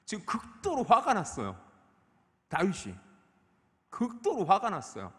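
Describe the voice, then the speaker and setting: A man's voice: high-pitched, measured pace. A man preaching a sermon as a pastor, building through rhetorical questions and voicing a character's anger. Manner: animated, rhetorical questions, acts out the speaker's anger. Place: church sanctuary. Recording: echoey church hall.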